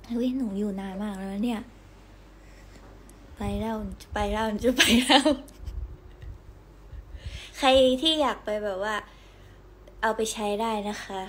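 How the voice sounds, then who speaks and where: A young woman hosting a casual livestream from home, telling stories in a chatty, giggly, animated way. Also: mid-range voice, a little hiss or hum. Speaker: idol livestream host.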